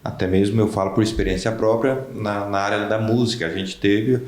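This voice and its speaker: A man hosting an interview podcast, relaxed and chatty, often tagging his sentences with little questions and joking about himself. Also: on the low side, a little fast, roomy sound. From Brazil. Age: young adult. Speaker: podcast host. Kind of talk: casual interview chat.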